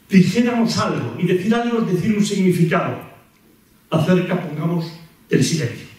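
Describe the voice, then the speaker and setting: A man's voice: a little high, a little mellow. Echoey older Spanish man lecturing. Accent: Spanish from Spain. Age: 60s. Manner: deliberate, rhetorical, with repetitions and pauses. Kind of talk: philosophy lecture to an audience. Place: lecture hall at a table. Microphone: gooseneck table microphone. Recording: very echoey hall, distant miked voice.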